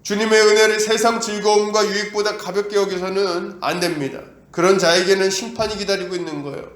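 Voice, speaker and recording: A man's voice: high voice, steady tone, brisk, fairly bright tone, echoey room. A male pastor preaching an emphatic sermon, asking his congregation rhetorical questions and acting out the voices of doubters. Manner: acts out quoted voices of doubters and of God. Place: church.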